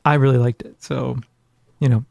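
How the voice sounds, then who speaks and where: A man's voice: medium pitch, flat delivery, moderate pace, vocal fry, darkish tone, dry recording. A man co-hosting a podcast in casual chat, rambling and self-deprecating with jokes. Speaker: podcast co-host.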